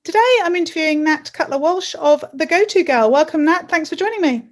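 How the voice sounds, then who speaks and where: A woman hosting an interview in a chatty manner, quick to laugh, with hesitant restarts. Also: extremely high pitch, expressive, faint music behind. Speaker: host. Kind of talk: casual interview.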